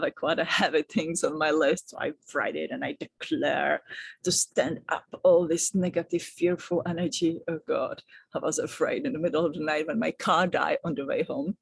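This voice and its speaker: A middle-aged woman giving gentle, affectionate spiritual guidance in a vlog. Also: lowish voice, slightly rough, dry recording, rough recording. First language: Czech. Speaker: spiritual teacher and author.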